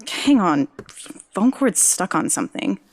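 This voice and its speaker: An actress playing a young journalism graduate, dry, sarcastic and curious, in a naturalistic audio drama. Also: female voice, medium pitch, sing-song, measured pace, a little hiss or hum. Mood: wry, casual. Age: young adult.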